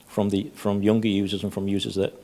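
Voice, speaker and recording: Low-voiced man, halting conference panelist. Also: flat delivery, mellow. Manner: halting, repeats words often. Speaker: panelist, head of safety. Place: conference stage.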